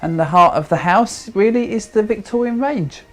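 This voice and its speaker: A man's voice: sits high, normal speed, faint music behind. A man of thirty-five with a British accent, chatting informally and hesitantly in an interview, with old-fashioned turns of phrase. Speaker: interviewee, history enthusiast. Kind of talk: informal interview while showing his home.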